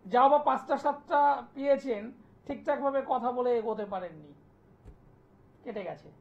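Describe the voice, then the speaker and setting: An astrologer hosts a live TV call-in show, delivering an insistent, repetitive sales pitch that lists place names and taking callers' details over the phone. He speaks at normal speed with a creaky voice, and the broadcast sound is dull and lo-fi.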